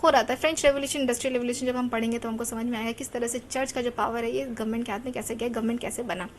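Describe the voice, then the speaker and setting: A young woman with a high voice gives a relaxed lecture. She talks in a chatty way, drops English terms into her speech and keeps asking the listener rhetorical questions. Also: rapid-fire, slight background noise. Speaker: teacher. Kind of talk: casual Hindi-English lecture.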